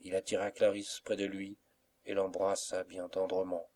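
Male audiobook narrator, lowish voice, measured delivery. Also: completely flat delivery, darkish tone. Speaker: volunteer audiobook reader. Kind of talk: audiobook narration of a classic tale.

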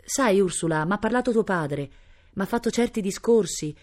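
A woman voicing a gentle but stubborn young baron, polite, hesitant and yet firm, in a storybook reading. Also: mid-range voice, expressive, moderate pace, voice pushed up, natural voice. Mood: hesitant, tender.

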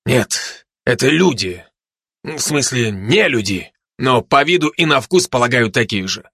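A man voicing a calm, serious male special-forces dog who explains things patiently. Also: medium pitch, measured pace, breathy edge, no echo, clean studio sound, full character voice. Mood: matter-of-fact.

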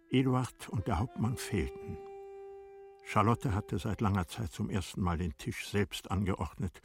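A man narrating a literary radio drama in a measured, formal storytelling manner. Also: fairly low pitch.

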